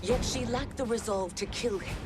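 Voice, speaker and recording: A woman's voice: on the high side, normal speed, close to an everyday voice. An actress playing a cold, scheming queen who speaks with regal, scornful haughtiness. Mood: ruthless. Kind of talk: video game cutscene. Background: cinematic music.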